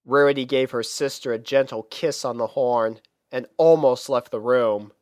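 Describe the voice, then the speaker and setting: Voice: medium pitch, normal speed, a little mellow, clean tone, dry recording, clean studio sound. A narrator reading a story aloud from a script. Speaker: fan fiction reader and narrator.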